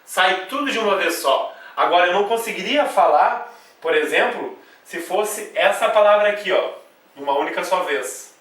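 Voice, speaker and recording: A male Brazilian grammar teacher giving a video lesson, explaining step by step, spelling sounds out slowly and often checking in with the class. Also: high voice, animated, a bit bright. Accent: Brazilian Portuguese. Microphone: camcorder mic away from the speaker. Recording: echoey room, voice from a distance.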